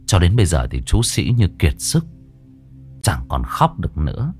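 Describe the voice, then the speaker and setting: A man narrating a ghost story in a lively, expressive way. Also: low-pitched, normal speed, faint music behind.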